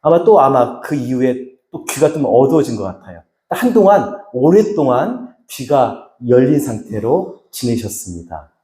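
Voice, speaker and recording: A middle-aged man from Chungcheong giving a dramatic, emotional testimony sermon as a healing minister, going from loud to hushed. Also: medium pitch, sing-song, normal speed, hardly any pauses. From Chungcheong, Korea. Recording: echoey hall.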